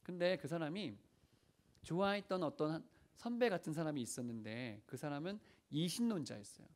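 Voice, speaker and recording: A male pastor delivers a sermon with a somewhat raised pitch, sounding a little higher than most men. He tells stories earnestly and often turns to question the congregation. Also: lively intonation, a little fast. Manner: earnest storytelling, acting out prayers and dialogue. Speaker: senior pastor.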